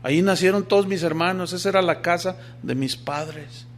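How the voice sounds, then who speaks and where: A man voicing a grieving young soldier who confesses quietly, choking up, inside a sermon story. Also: sits high, moderate pace, a little hiss or hum, lightly acted. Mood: sorrowful.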